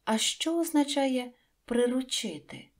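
Woman voicing the Little Prince, high and childlike. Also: animated, unhurried, full character voice. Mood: earnest. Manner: high, earnest, wondering childlike voice. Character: small gentle boy prince, lonely and curious. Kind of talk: audiobook reading.

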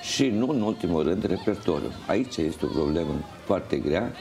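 Very deep-voiced older man, mellow. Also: lively intonation. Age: older, around 60s. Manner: halting, measured, pausing mid-phrase. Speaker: interview guest, folk festival organizer and juror. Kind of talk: studio interview, explaining. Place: indoor TV studio. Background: music playing.

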